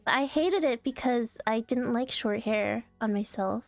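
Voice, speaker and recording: High-voiced playful young woman streamer. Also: measured pace, vocal fry, no echo, soft background music. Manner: playful, laughs often, jumpy and animated. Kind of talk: casual livestream chat, reacting to posts.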